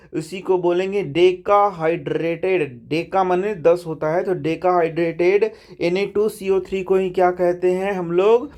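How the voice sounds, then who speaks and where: A man's voice: high voice, a little mellow. A man teaching a science lesson line by line from the textbook, chatty, calling his students brother and asking questions that he answers himself. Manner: chatty, addresses students as bhai.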